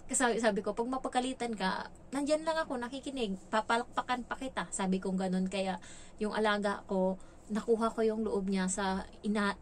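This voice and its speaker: A woman's voice: mid-range voice, slight background noise. A woman from the Philippines vlogging casually and frankly about her work as a domestic helper abroad. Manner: chatty, frank, acts out quoted lines. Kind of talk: casual storytelling vlog.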